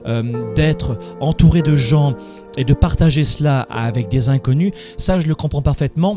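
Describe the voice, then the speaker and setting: A man hosting a motivational call-in show, speaking emphatically and repeating words as he builds a point. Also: a little high. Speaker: host taking live calls.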